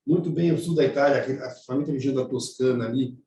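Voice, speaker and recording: A man's voice: medium pitch, fast talker, dark tone, recorded from a distance, slight background noise. A man hosting an online interview show, chatty, with rambling questions full of restarts, recorded in an echoey room away from the mic.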